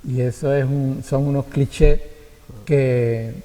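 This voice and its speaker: Mellow Andalusian man, thoughtful. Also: medium pitch, steady tone, big-room sound. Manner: thoughtful, halting, repeats words as he searches. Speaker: guest. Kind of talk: reflective conversation.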